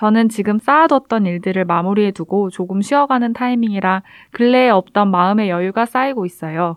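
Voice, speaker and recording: A woman speaks fairly quickly at a medium pitch, with ordinary pitch variation and very even loudness. Hers is an unremarkable speaking voice. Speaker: journalist podcast co-host. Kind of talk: casual chat.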